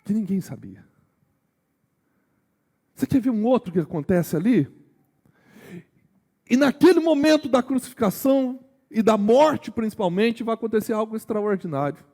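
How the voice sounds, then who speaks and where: A Brazilian man preaching a sermon in a conversational way. He keeps asking his congregation questions, sometimes dropping to a slow hush and sometimes rising with energy. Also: high-pitched. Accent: Brazilian Portuguese. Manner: swings between hushed, slow emphasis and raised, energetic delivery. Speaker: pastor.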